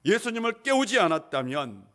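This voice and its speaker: A man preaching a sermon as pastor of a church, animated and full of questions to the congregation, now and then shouting out dramatic lines. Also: high-pitched, normal speed. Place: church sanctuary.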